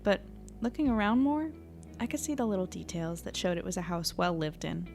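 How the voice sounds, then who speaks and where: Narrating wryly, a woman voices a sincere, nervous female reporter in an audio drama, with tentative, self-deprecating, conversational delivery in a naturalistic style. She has a lowish, creaky and slightly mellow voice, lively in intonation and fairly fast, with soft music underneath.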